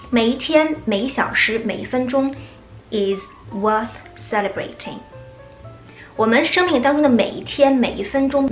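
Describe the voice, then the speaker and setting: A woman teaching English in Chinese, with a British accent when she reads passages aloud slowly and clearly. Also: a little high, echoey room, rough recording. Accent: British English when reading. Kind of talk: reading lesson with read-aloud.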